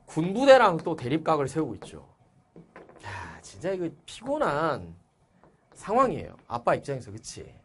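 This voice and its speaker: An animated male teacher whose fairly high voice rises and falls a lot as he explains. He walks through a story passage in an exam-prep lecture, asking his students over and over whether they follow. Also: moderate pace, slight background noise. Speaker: Korean-language teacher.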